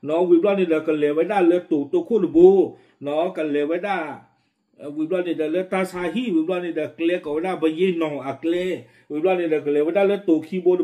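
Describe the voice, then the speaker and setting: A man presenting and commenting on the news in a rapid, informal way, with many fillers. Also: fairly high pitch, warm tone. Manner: quick, running commentary with frequent fillers.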